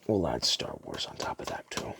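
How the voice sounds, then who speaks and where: A man doing a soft-spoken ASMR roleplay as a store clerk, talking in a casual, hesitant, rambling way. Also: normal speed, noisy background. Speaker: ASMR creator playing a DVD store clerk.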